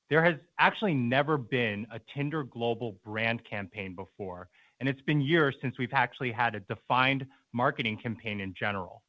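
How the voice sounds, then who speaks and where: A man speaking as a company executive, giving a fluent, polished and deliberate answer on an earnings call. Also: mid-range voice, dry recording. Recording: dull, band-limited conference call audio.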